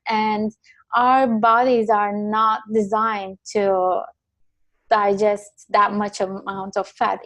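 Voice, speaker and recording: A woman's voice: on the high side, no room sound. A young adult woman from Turkey, talking hesitantly as a guest in a casual interview, with many ums and restarts.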